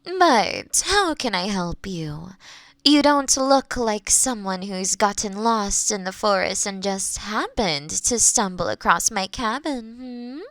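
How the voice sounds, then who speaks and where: A woman playing a kind, playful young witch who lives alone in the forest, speaking gently and teasingly to the listener in a roleplay audio drama. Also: medium pitch, lively intonation, dry recording. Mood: playful, welcoming. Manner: gentle, unhurried, teasing, with soft chuckles.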